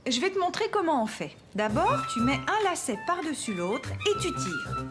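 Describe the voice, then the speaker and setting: A woman voicing a gentle, patient young mother in a children's cartoon dub, encouraging and explaining things step by step. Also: high voice, sing-song, moderate pace, over loud music.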